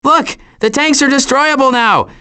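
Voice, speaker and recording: A man voicing a wry, wisecracking woodland animal in an animated video game. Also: extremely high pitch, unhurried, exaggerated voice. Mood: urgent, excited.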